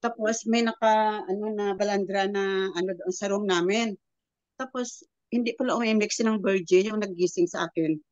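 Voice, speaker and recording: A woman's voice: medium pitch, steady tone, darkish tone, no room sound, highs cut off. Older woman telling a rambling testimony. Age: 70s. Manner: rambling, halting storytelling that acts out quoted dialogue. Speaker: prayer group member sharing a testimony. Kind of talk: personal testimony, casual storytelling.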